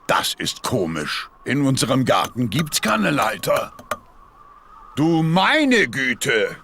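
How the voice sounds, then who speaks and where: A man's voice: mid-range voice, huge pitch swings, takes it slowly, background noise, full character voice. A man voicing a jolly, overconfident pig father in a German cartoon dub, with hearty chuckles and cheerful boasting. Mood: cheery bluster.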